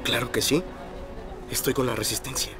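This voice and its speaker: A man's voice: mid-range voice, steady tone, normal speed, close to an everyday voice. An actor voicing an earnest, slightly boastful young male runaway soldier in a game, heard over music. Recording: game audio with music behind.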